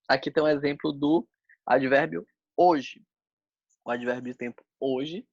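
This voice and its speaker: A man's voice: mid-range voice, no room sound, lo-fi sound. A man teaching a sign language class, explaining step by step as he demonstrates the signs.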